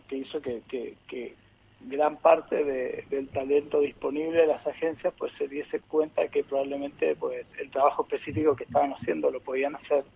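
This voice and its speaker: Gravelly man on a phone line. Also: medium pitch. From Chile. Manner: thoughtful, many hesitations and restarts. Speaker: agency partner, guest. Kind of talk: conversational podcast interview. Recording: tinny phone-line sound.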